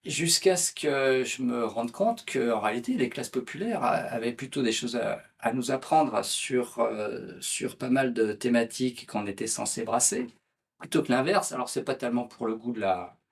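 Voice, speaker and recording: A man's voice: medium pitch, lively intonation, normal speed, vocal fry, husky. A man, an author being interviewed, talking in a hesitant way with many fillers and restarts. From France. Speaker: author and political activist, interview guest. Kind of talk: conversational interview.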